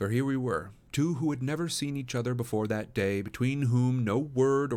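With ordinary pitch variation, the speaker reads in an unforced voice.

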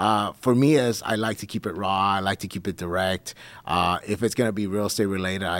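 A normal speaking voice at a fairly quick pace with fairly even intonation, in a very clean recording over a silent background. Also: man. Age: 40s. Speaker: former Marine turned real estate agent. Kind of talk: casual interview chat.

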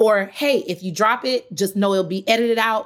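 A woman speaks in a fairly high pitch. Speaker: branding consultant. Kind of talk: casual interview.

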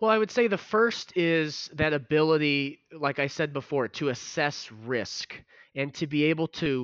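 With a plain, everyday voice and an American accent, a man speaks at a moderate pace in a fairly high pitch with ordinary pitch variation. The background is quiet, and the sound is dry and close with no echo. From US Midwest, Chicago area. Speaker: day trader. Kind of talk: interview.

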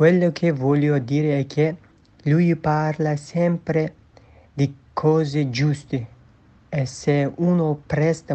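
With a Central Asian accent, a man speaks very slowly at a fairly high pitch, his intonation fairly even. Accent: Central Asian-accented Italian. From Uzbekistan. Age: 20s. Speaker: graduate student. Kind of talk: casual chat.

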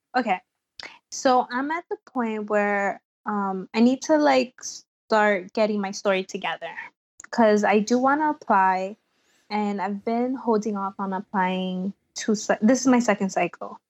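A woman with a Spanish accent speaks at a fairly slow pace with a fairly high pitch. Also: ordinary pitch variation, quiet background. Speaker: pre-med student. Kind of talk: advice-seeking conversation. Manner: hesitant, filler-heavy.

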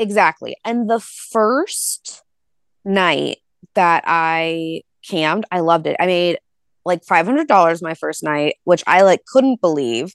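Against a quiet background, a woman with an ordinary speaking voice talks fairly slowly at a fairly low pitch with lively intonation, the sound dry and close with no echo. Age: 20s. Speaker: adult performer. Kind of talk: casual chat.

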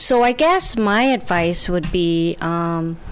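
Her intonation lively, a woman talks at a fairly low pitch. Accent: Hawaiian. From Hawaii. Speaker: podcast guest, host's friend. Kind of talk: casual chat.

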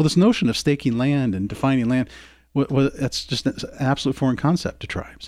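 A man with an American accent, fairly high pitch and ordinary pitch variation, on a very clean recording with a silent background. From US Midwest, Kansas reservation. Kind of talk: casual interview. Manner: halting, many repetitions.

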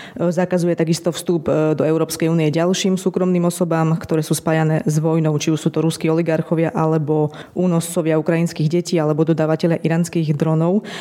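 A woman's fairly low, monotone, flat voice at a very fast pace with hardly any pauses and very even loudness, over noticeable background noise. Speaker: interviewer. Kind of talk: interview.

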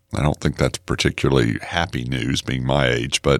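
A man with an American accent speaks at a moderate pace with vocal fry, in a dry, close sound with no echo. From rural North Carolina. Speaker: economic development consultant. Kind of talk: interview. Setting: studio.

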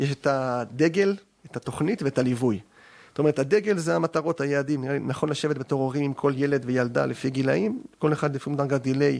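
At a moderate pace, a man uses an ordinary speaking voice with ordinary pitch variation. His pitch sits fairly high. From central Israel (Kochav Yair). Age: 40s. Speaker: religious school principal, rabbi. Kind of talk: podcast interview.

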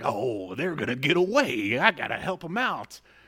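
In a put-on character voice, the speaker sounds excited, with very wide pitch swings at a moderate pace. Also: man, fairly high pitch for a man. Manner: cartoony, excited.

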